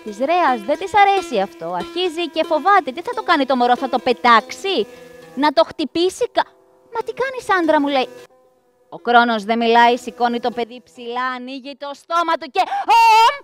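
A woman's voice: sits high, expressive. A woman performing a myth as a live storyteller, dramatic and speaking straight to her audience. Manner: dramatic, addresses the audience directly. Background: live plucked string music.

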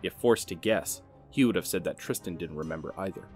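A man's voice: low voice, a little fast, a little mellow, faint music behind. A man giving a dramatic scripted narration as the narrator of an audio story.

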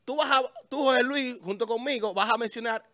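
A man's voice: very high-pitched, brisk, fairly bright tone, dry recording. A man hosting a casual studio chat, thinking aloud as he searches a website. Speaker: show host. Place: small studio with a festive desk. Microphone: studio mic on a stand.

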